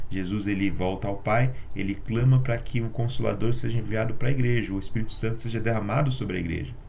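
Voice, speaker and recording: With hardly any pauses, a man talks at a very fast pace in a medium pitch with ordinary pitch variation and audible room echo. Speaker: Pentecostal preacher / Bible teacher. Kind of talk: Bible study teaching.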